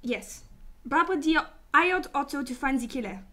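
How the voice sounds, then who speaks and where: Actress as sly teasing woman w high voice, sarcastic, sci-fi radio play. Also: animated, normal speed, bright, forceful tone. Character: cheeky, scheming woman, detective's teasing assistant. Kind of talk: sci-fi radio drama acting.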